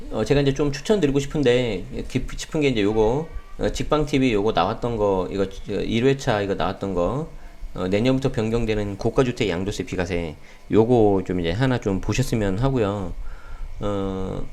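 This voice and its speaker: A man hosting a daily real estate news talk, slightly hoarse, speaking casually with many fillers. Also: fairly low pitch. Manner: relaxed, many fillers, talks straight to viewers. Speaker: real estate channel host.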